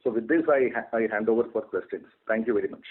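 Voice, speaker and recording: A man's voice: on the low side, fast talker, phone-quality sound, a little hiss or hum. A man with an Indian accent briefing on finances as a company executive, often stalling and repeating his words. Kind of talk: semi-scripted financial briefing on a conference call. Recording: thin telephone conference line.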